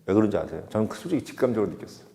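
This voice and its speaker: A man's voice: fairly low pitch, lively intonation, very fast, mellow, long reverb tail. A man giving an emphatic political opinion monologue, full of rhetorical questions. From Seoul. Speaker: political commentator.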